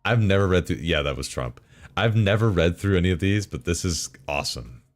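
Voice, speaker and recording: A man's voice: low voice, lively intonation, a little fast, soft background music. A male streamer in casual chat, reading forum posts aloud between game loads with sarcastic, chuckling asides.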